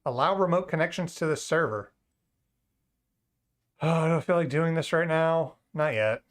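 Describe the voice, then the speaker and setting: A man's voice: fairly high pitch, moderate pace. Casual male streamer, joking, rambling, chatting with viewers. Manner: joking, rambling, talks to chat and cat. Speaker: livestream host. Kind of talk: casual livestream chat.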